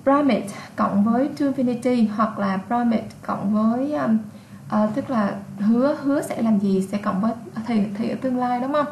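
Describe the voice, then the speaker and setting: A woman's voice: a little high, moderate pace, creaky, darkish tone, reverberant, a little hiss or hum. A woman from Vietnam with a Vietnamese accent, teaching an English exam lesson, patiently repeating words and explaining their sounds.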